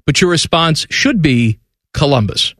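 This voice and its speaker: A man's voice: a little high, expressive, unhurried, fairly bright tone, husky, no room sound. A man co-hosting a sports radio show in a studio, talking in an opinionated, jokey way. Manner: opinionated, jokey, slips into mocking voices. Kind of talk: casual sports radio chat.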